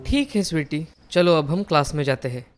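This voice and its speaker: A woman's voice: sits low, expressive, fairly quick. A woman voicing an anxious, clever schoolboy in a cartoon story, speaking hesitantly over music. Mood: earnest. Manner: worried, hesitant.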